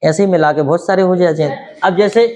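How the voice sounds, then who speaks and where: A man's voice: high-pitched, dark tone. Hindi-speaking man teaching English. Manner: explains slowly with many rhetorical questions. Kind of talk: spoken English lesson.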